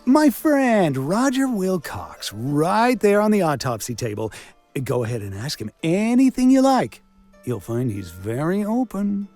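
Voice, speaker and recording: An actor voicing a sardonic, wisecracking village doctor and coroner in a video game, with a theatrical delivery. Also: male voice, high-pitched, wildly swooping pitch, a little slow, darkish tone, faint music behind, full character voice. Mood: sarcastic. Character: sarcastic village doctor and coroner, self-styled man of science. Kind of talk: video game character acting.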